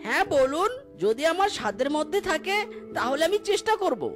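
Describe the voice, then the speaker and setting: A woman's voice: high-pitched, sing-song, fairly quick. A woman voicing a downtrodden poor fox father. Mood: polite. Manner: pleading, self-pitying. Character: poor despairing fox father, a rickshaw puller. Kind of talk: cartoon voice acting. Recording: music bed behind voice.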